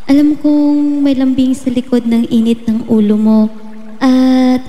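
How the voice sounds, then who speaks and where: An actress as a young woman in love in an audio drama, with a very dark, velvety, highish voice. She speaks gently and earnestly, soft and steadfast, in long reverb over music. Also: little pitch movement, a little slow. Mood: tender, loving. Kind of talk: Filipino audio drama acting, intimate dialogue.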